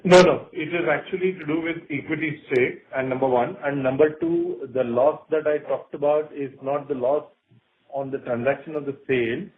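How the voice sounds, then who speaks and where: A man's voice: a little high, steady tone, moderate pace. An Indian man, a company finance executive, giving unscripted clarifications to investors on an earnings call with some emphasis. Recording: thin, noisy conference phone line.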